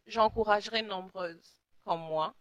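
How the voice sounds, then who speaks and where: A woman's voice: medium pitch, measured pace, no room sound, highs cut off. A woman in her twenties from Congo, earnestly giving a Christian testimony as a guest. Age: 20s. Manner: earnest, sincere.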